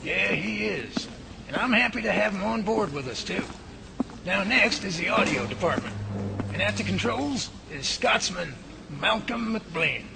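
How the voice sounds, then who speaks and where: A man playing a gravelly lab boss. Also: high-pitched, measured pace, heavily acted. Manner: steady, explanatory tour guide. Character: Bigfoot lab head giving a tour. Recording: noisy home-made audio drama.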